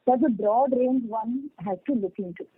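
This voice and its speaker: Female corporate executive, Indian accent, measured earnings-call explanations, dry and band-limited telephone sound. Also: on the high side, slightly rough, no room sound. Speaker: company executive answering analysts. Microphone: conference call phone line. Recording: tinny phone line, dry.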